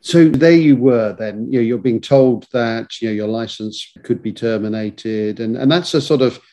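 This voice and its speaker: A man's voice: mid-range voice, normal speed, warm tone. A man hosting a podcast interview, asking questions with hesitant starts and repeated words. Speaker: podcast host.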